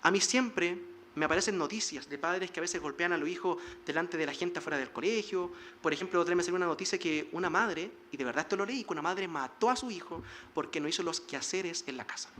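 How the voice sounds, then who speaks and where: A male pastor delivers a sermon in a high, ringing voice. He exhorts the congregation earnestly and slips into short acted lines of dialogue to make his point. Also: fast, bright, forceful tone, a little hiss or hum. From Chile.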